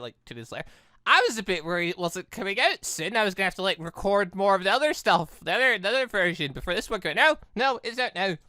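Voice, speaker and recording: A gaming video host with a chatty, animated manner, giving casual commentary and reading game text aloud. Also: mid-range voice, no room sound, clean studio sound.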